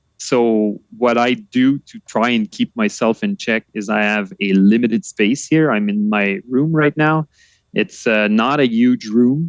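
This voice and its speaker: A man with a French accent at a medium pitch, ordinary pitch variation and a fairly slow pace, in a dry, close sound with no echo. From Quebec, Canada. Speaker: reptile keeper. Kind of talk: podcast interview. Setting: home room, remote call. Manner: hesitant, many fillers.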